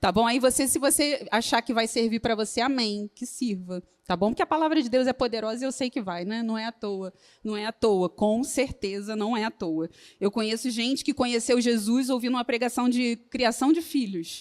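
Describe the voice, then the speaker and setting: With a Rio de Janeiro accent, a woman talks at a moderate pace in a fairly high pitch with ordinary pitch variation, the sound dry and close with no echo. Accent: carioca. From Rio de Janeiro, Brazil. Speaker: women's meeting speaker. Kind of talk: sermon. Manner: informal, conversational.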